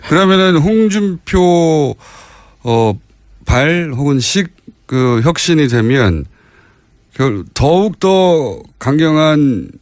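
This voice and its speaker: A man hosting a radio current-affairs interview, teasing and prodding his guest with quick short replies, on a studio mic. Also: on the high side, big pitch swings, dry recording. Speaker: radio show host.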